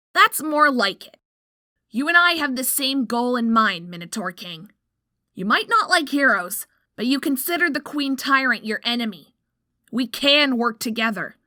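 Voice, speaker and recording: A woman uses a put-on character voice, growling at a high pitch with lively intonation. Her loudness swings widely at a moderate pace. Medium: audio drama. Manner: cocky, quick.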